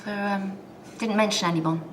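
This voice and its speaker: A suspicious, grieving daughter, played by an actress who hesitates and then presses hard. Her voice sits at a medium pitch. A faint noise floor lies under the drama scene. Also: steady tone, moderate pace, lightly acted. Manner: hesitant, insistent. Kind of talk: TV drama acting.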